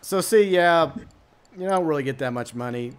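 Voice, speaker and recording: A streamer man chats loosely while playing, full of fillers and side remarks. His voice sits somewhat high for a man. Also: animated, normal speed, clear, resonant tone. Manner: rambling, chatty, many fillers and asides. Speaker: streamer host. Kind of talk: casual live-stream gaming chat.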